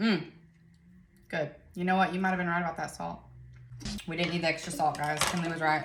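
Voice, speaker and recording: Speaking very fast but with long, frequent pauses, a woman with a fairly low pitch keeps her intonation flat and monotone, with audible room echo and noticeable background noise. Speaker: cooking channel host. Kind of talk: cooking tutorial. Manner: casual, chatty.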